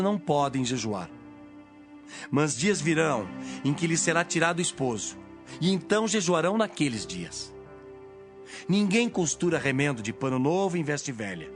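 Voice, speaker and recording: Guy playing a solemn bible teacher, calm authority, declaiming, clear music underneath, really varied intonation. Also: fairly high pitch. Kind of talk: dramatized audio Bible acting.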